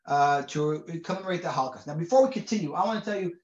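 A man in his forties, raised in Israel, giving a recorded class to a group in a conversational way, often restarting and repeating words. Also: on the high side. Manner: reads Hebrew sources aloud quickly. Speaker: rabbi teaching a class. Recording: roomy, dull lo-fi sound.

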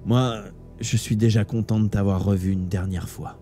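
A man voicing a wounded, dying teenage boy in a live audiobook reading, speaking low and quietly through pain. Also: steady tone, normal speed, faint music behind, lightly acted. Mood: faint tender.

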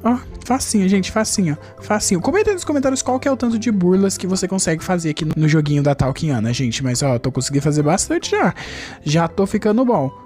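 A man from Brazil giving excitable gameplay commentary as a YouTuber, chatting nonstop to his viewers and jumping high in pitch when something surprises him. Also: fast, faint music behind. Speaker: gaming YouTuber.

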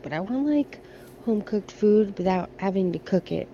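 A chatty American woman films a casual shop-with-me vlog on a handheld phone camera, thinking aloud as she browses the aisles of a large discount store. Her mid-range voice is animated and dark-toned at a normal speed; the highs are cut off and there is a little hiss or hum.

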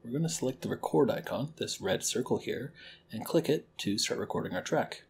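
A young man talks through a software tutorial in a friendly, explanatory way. His voice sits at an ordinary middle pitch. A faint hiss sits under the recording from his home room. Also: expressive, a little fast, vocal fry. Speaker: library program host. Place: home kitchen-living room, indoors.

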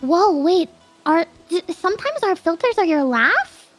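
A woman chatting casually as a vtuber guest, giggly and excitable. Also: extremely high pitch, unhurried, faint music behind. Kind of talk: casual stream chat.

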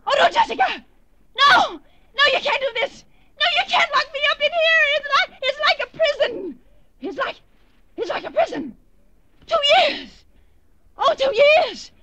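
An actress playing a frightened, guilt-ridden sister pleading in 1940s radio suspense style, with a breathless, quavering delivery. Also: female voice, very high voice, lively intonation, fairly quick. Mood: hysterical. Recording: noisy vintage radio recording.

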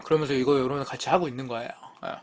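A man's voice: mid-range voice, racing. A man in his thirties hosting a live eating stream, chatting casually with viewers and swearing freely as he bickers with them. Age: 30s. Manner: lively, jumps between mumbling and loud outbursts.

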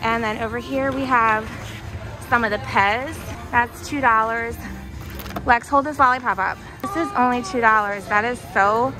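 A woman's voice: a little high, steady tone, moderate pace, rough recording. A young American woman giving casual, enthusiastic shopping commentary as she gushes over items in a store. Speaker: shopping vlogger. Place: inside a discount retail store. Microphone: handheld camera or phone, held by the speaker. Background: music.

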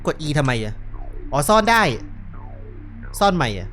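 A man's voice: fairly high pitch, very animated, a little slow, a bit bright, soft background music. A man doing let's play commentary on a horror game, joking, swearing and reading the game's dialogue aloud. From Thailand. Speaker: game streamer.

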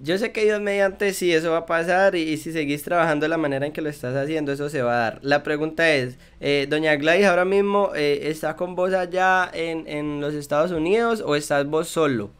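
A young man with a Colombian accent runs a relaxed video-call interview from a small room at home, speaking into a headset. His voice sits a little high and sounds smooth and clear. He chats freely and often restarts his phrases. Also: a little fast, few pauses. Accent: Colombian Spanish. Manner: chatty, repeats words as he searches for them.

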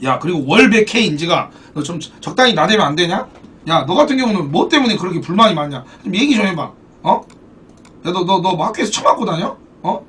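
A man speaks a little fast in a high voice, well away from the microphone, as he streams a football card game. The talk is casual live-stream chat: lively banter with viewers, swearing, and thanks for donations.

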